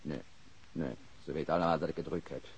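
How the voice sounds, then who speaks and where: An actor playing a guarded but cooperative Swiss-German immigrant car mechanic in a radio crime drama, speaking in short, simple sentences. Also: male voice, a bass voice, fairly even intonation, fast talker, breathy edge, muffled recording, exaggerated voice.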